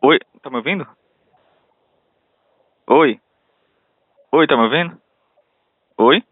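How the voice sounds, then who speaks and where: Um homem ligando para o suporte, ouvido por uma linha telefônica fixa, perguntando sem parar se está sendo ouvido. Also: male voice, on the high side, takes it slowly, dry recording. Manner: loud, keeps asking if he is heard. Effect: heard over a landline phone line. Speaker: customer calling support. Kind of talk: phone call. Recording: tinny phone line, dry.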